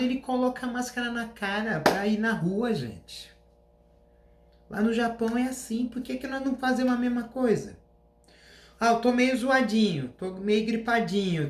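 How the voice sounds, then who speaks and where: A man's voice: high voice, reverberant, a little hiss or hum. A Brazilian man hosting a casual solo talk, rambling with restarts, a slight cough. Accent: Brazilian Portuguese. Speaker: podcast host.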